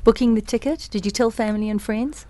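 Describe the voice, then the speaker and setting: A woman's voice: a little high, quick pace, mellow. A woman interviewer who asks probing questions and keeps the guest talking with brief prompts.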